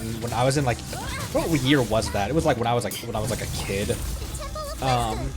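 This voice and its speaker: A young man chatting on a gaming livestream, rambling and making puns while he laughs often. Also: mid-range voice. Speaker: streamer. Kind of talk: casual gaming livestream chat.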